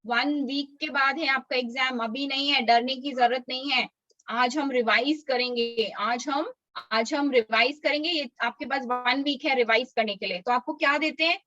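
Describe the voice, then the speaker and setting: Bright high-voiced woman teaching small kids. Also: dry recording, lo-fi sound. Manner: coaxing, slow drilled recitation for small kids. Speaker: Sunday school teacher. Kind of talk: online children's class. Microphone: video call.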